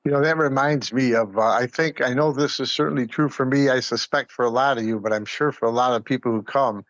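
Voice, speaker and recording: A man's voice: mid-range voice, brisk, fairly bright tone, dry recording. A man talking casually and reflectively as a guest, recorded with slightly dull sound. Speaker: radio play cast member, guest.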